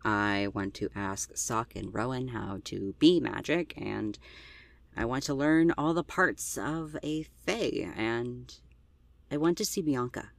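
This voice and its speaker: A performer acting in an audio drama as an anxious, tender young driver with a gentle, hesitant, earnest way of talking. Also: medium pitch, slow, creaky, no room sound. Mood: hopeful, earnest.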